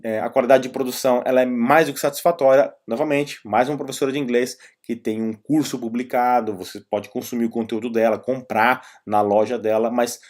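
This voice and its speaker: Man, Brazilian Portuguese accent, mid-pitched voice, conversational vlog style, rambling explanations with asides. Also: fairly even intonation, fairly quick, few pauses, a little mellow. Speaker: vlogger. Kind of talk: casual explanatory vlog, giving recommendations.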